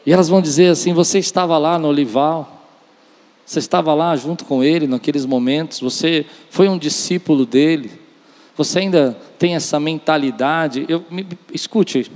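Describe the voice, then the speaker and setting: A man's voice: on the high side, brisk, a little mellow. A man delivering a charismatic church sermon as a preacher, speaking emphatically and directly to his listeners, with repetition and acted-out dialogue. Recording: long reverb of a large hall.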